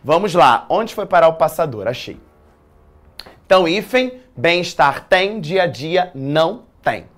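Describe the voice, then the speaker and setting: A man teaching an exam-prep writing lesson, lively, slangy and joking as he explains grammar rules. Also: a little high, unhurried.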